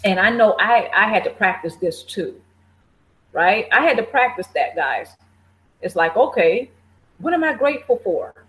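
A woman's voice: mid-range voice, lively intonation, moderate pace, a bit bright, low-quality recording. A woman speaking to listeners in a conversational motivational talk, encouraging and repeating phrases, often laughing.

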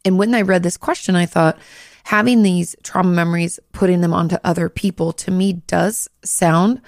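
A woman hosting a podcast, a little hoarse, chatting casually and hedging with frequent likes and restarts. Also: fairly low pitch, fairly even intonation, normal speed, darkish tone, dry recording, studio quality. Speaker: podcast host, therapist.

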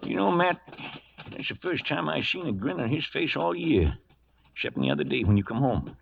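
A cantankerous old cowhand with a high, very lively voice and a rustic American Western drawl. His words come mumbled and toothless, in the folksy manner of a 1940s radio western. The sound is dull and vintage. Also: normal speed, gravelly, slight background noise, heavily acted. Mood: earnest, fond. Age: older. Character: crusty, loyal old cowhand narrating and bantering. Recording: dull vintage radio recording, faint music.

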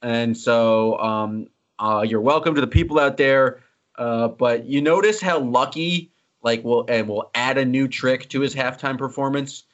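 Joking man hosting a sports podcast. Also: mid-range voice. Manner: joking, quick and teasing. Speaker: podcast host. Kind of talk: casual sports podcast chat. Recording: slightly dull lo-fi audio.

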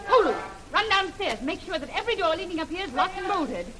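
A woman's voice: very high-pitched, expressive, fast talker, over loud music. An actress playing a brave, impulsive adventurous woman in a 1930s radio drama, emphatic and commanding under pressure. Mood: tense. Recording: noisy hissy 1930s radio recording.

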